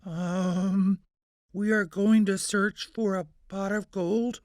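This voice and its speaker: A woman's voice: mid-range voice, steady tone, slow, a little mellow, no echo, lightly acted. A woman voicing a kind, brave young boy in a children's story, cheerful and welcoming.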